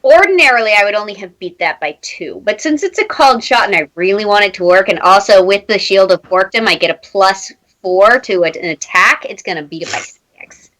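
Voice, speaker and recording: A woman playing a tabletop roleplaying game, speaking in a theatrical, halting way and repeating words as she slips between casual talk and character. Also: medium pitch, lively intonation, a bit bright, rough recording.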